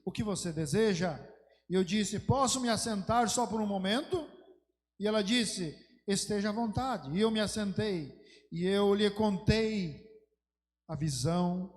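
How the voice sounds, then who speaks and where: A high-pitched man preaches, his voice trailing off into a long, ringing hall reverb. He tells a story with fervor and presses his points with rising emphasis, as a pastor speaking from the pulpit. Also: a little mellow. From Brazil. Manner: fervent storytelling preaching that swells into emphatic exhortation. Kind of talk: sermon. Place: church sanctuary.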